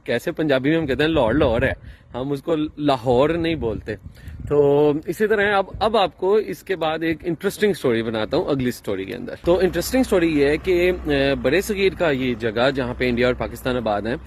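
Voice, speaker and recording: A travel vlogger from Pakistan, speaking with a fairly high voice, gives casual explanations outdoors in a town. He often stops on fillers and begins sentences again, with faint traffic and street sounds in the background.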